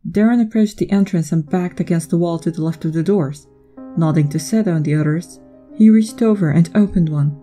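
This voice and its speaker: A woman's voice: on the low side, brisk, dark tone, soft background music. A woman reading scripted story narration as the narrator of a drama.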